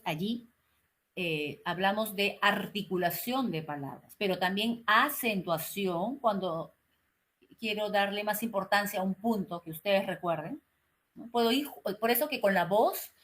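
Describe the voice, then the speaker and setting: A woman teaching an online class, speaking slowly and articulating each word with care, with frequent checking questions and hesitations. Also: medium pitch, fairly bright tone. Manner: slow, carefully articulated explaining; frequent "¿no?" and "eh" fillers.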